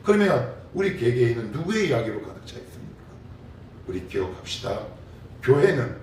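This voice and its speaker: A man's voice: mid-range voice, darkish tone, slight background noise. A middle-aged male pastor preaching at a morning prayer service, pressing the congregation with rhetorical questions and answering them himself. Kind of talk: sermon. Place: church sanctuary. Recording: very echoey church recorded from a distance.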